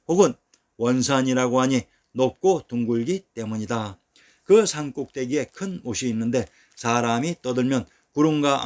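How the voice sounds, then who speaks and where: A man giving scripted narration for a history channel, reading old texts in an even, measured way. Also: mid-range voice.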